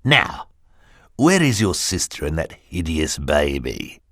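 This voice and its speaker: A man voicing a cruel hook-handed henchman with a croaking voice in an audiobook, speaking in a low threatening whisper. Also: very animated, takes it slowly, fairly bright tone, no echo, clean studio sound, exaggerated voice. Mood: sneering. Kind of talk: audiobook character voice.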